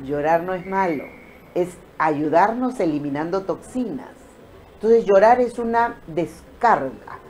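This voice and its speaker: A woman giving an expressive motivational talk on emotions and the brain, speaking straight to viewers and acting out quoted voices. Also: on the low side, measured pace, slight background noise.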